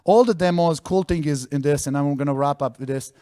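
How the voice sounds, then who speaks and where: A man's voice: fairly high pitch, a little fast, warm tone, clear, resonant tone. A man presenting at a founder event, talking energetically in non-native English phrasing and acting out quotes. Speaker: startup founder presenting to an audience. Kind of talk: conference stage talk. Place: event stage.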